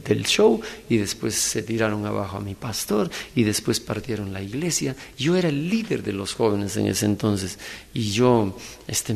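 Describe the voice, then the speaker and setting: A middle-aged man with a Peruvian Spanish accent, preaching a sermon in lively storytelling, swinging from hushed to loud. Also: lowish voice, gravelly, husky, in a large hall. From Peru. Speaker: pastor. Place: conference hall.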